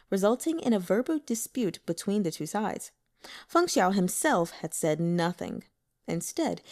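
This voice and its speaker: Expressive woman narrating an audiobook. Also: medium pitch. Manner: expressive storytelling. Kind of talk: scripted narration.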